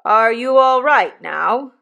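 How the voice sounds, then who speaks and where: A woman's voice: mid-range voice, expressive, a little slow, a bit bright. A woman voicing a mild, plain-spoken male master blacksmith, simple and placating but firm, in a storybook reading. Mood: calm, firm.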